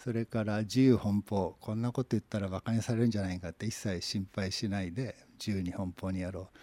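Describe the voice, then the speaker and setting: A man's dark, mellow voice, fairly low in pitch, at a fairly quick pace with fairly even intonation, on a very clean, dry, close recording with a silent background and no echo. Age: 60s. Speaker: university professor. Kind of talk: casual chat. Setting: studio in total darkness.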